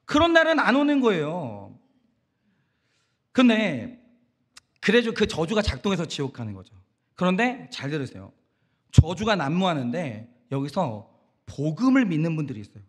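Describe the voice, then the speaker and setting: A man's voice: fairly high pitch, wildly swooping pitch, moderate pace, pauses often, breathy edge. A man preaching a Sunday sermon as pastor, emphatic and direct, asking the congregation rhetorical questions. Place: church sanctuary.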